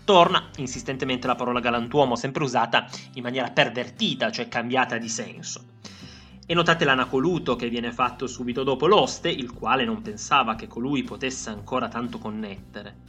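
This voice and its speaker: A man's voice: medium pitch, normal speed, sharp tone, soft background music. A man teaching literature, explaining a classic novel passage with frequent hesitations and fillers. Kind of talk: lecture with read-aloud passages.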